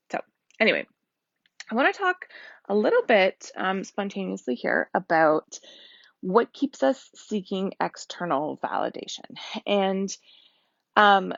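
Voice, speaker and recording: A woman in her thirties with a husky, tired voice, talking candidly and rambling a little on a live stream from home. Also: fairly low pitch, dry recording. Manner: candid, rambling, laughs often. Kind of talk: casual live stream talk. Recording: dull lo-fi sound.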